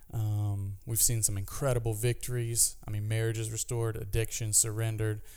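In a room with audible echo, a somewhat breathy man speaks fairly quickly in a flat monotone, with very even loudness and hardly any pauses. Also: medium pitch for a man. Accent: American. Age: 30s. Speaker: pastor. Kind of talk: interview.

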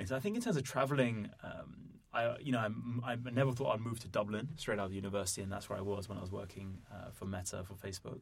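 A man with a London accent speaks at a very fast pace with hardly any pauses, in a fairly low, somewhat breathy voice with ordinary pitch variation. Audible room echo surrounds the recording. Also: big swings in loudness. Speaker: tech product lead. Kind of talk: interview conversation. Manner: halting.

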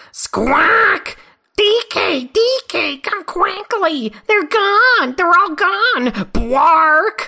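At a very slow pace, a put-on character voice talks in an extremely high pitch. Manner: squawky, urgent.

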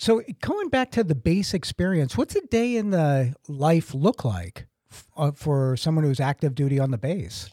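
Hardly pausing, a man speaks at a moderate pace in a fairly high, somewhat breathy voice with a dark, mellow tone, very wide pitch swings and big swings in loudness, the sound dry and close with no echo. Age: 50s. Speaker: podcast host. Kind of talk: casual interview.

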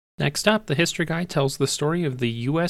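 A man talks at a fairly quick pace in an ordinary speaking voice, with ordinary pitch variation. The recording is very clean, with a silent background. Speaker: podcast host and writer. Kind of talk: scripted podcast intro and casual conversation.

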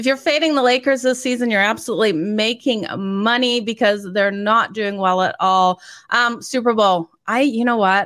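An American-accented woman at a fairly high pitch and moderate pace, with ordinary pitch variation and very even loudness, on a very clean recording with a silent background. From Australia, later Canada. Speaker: sports betting analyst. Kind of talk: interview.

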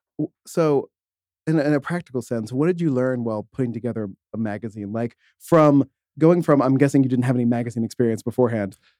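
Heard dry and close with no echo, a man with a dark, mellow tone speaks very fast at a medium pitch with ordinary pitch variation. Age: 40s. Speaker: podcast host and producer. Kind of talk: casual interview.

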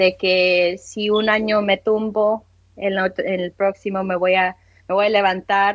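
Speaking with an English accent, a woman has a medium pitch and monotone, flat intonation. Her loudness is very even and her pace very slow. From California, US. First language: English (speaking Spanish). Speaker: professional golfer. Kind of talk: interview.

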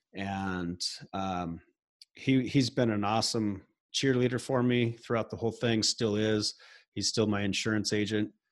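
A man speaks in an American accent with a fairly low pitch. His pace is moderate and his intonation fairly even, broken by long, frequent pauses. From Montana. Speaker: board game inventor and business owner. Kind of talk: interview.

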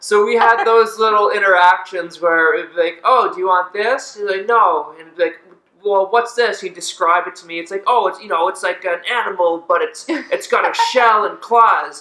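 Over noticeable background noise, a man with a high, raised, projected voice speaks at a moderate pace with hardly any pauses, ordinary pitch variation and big swings in loudness. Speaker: podcast co-host. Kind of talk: casual chat.

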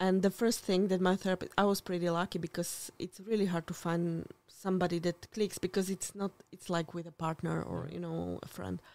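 A woman with a Slovak accent speaks at a fairly low pitch and a fairly quick pace. Her intonation is monotone and flat. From Slovakia, Zahorie (Senica). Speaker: marketing professional. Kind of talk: casual interview chat. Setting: live-streamed video podcast.

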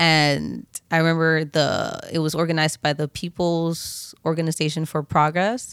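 A woman with a New Jersey accent speaks in a monotone, flat delivery at a moderate pace and a very deep, low pitch, in a very clean recording over a silent background. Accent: New Jersey American. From New Jersey, Union City and Clifton. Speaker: music producer and dancer. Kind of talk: casual chat.

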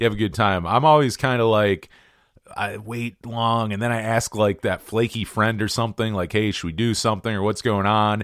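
A man with an American accent speaks in a normal speaking voice at a fairly low pitch and moderate pace. His intonation is fairly even, and the recording is very clean with a silent background. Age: 30s. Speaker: music podcast and radio host. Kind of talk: solo casual monologue. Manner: rambling with many fillers and restarts.

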